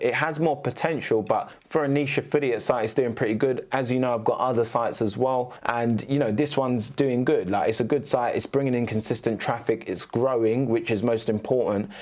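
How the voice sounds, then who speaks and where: A man with a British accent talks at a fairly quick pace with hardly any pauses. His medium-pitched voice holds a very even loudness. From UK. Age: 20s. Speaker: YouTuber, affiliate marketer. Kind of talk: casual video monologue.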